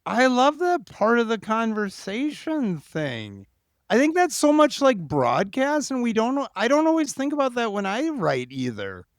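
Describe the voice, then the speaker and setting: High-voiced, animated man hosting. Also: dry recording, studio quality. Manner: informal, halting, thinking aloud. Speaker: podcast host. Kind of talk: casual interview chat.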